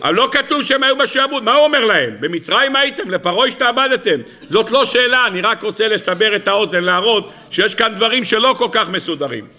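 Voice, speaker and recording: A man, a rabbi, teaching a Torah lesson to an audience, firing rhetorical questions in a teasing, animated way. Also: high voice, hardly any pauses.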